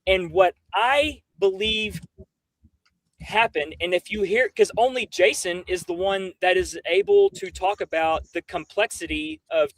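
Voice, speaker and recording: A man with a high voice that swings widely in pitch, ranting casually on a livestream. He is emphatic and incredulous, with slangy, profane phrasing. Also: no room sound, poor audio. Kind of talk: animated casual livestream rant.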